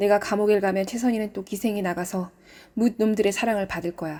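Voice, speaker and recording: A woman with a medium pitch is heard in a very clean recording with a silent background. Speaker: voice actor. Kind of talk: audiobook reading. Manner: precise pronunciation.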